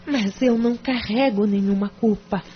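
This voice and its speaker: A woman's voice: medium pitch, normal speed, close to an everyday voice. A woman voicing a reserved, hesitant wealthy wife confiding in her lawyer. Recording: dull lo-fi with faint hum.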